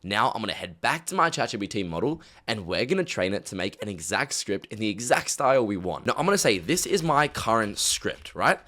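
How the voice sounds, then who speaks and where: A man's voice: on the low side, sing-song, quick pace, few pauses, sharp tone. A man giving a casual screen-recorded tutorial, talking in a chatty, direct way with lots of fillers. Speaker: YouTube automation coach.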